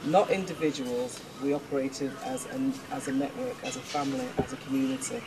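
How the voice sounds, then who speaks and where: A woman's voice: extremely low pitch, very animated, a little fast. Earnest woman, noisy studio. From England. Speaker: guest. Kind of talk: casual studio talk show chat.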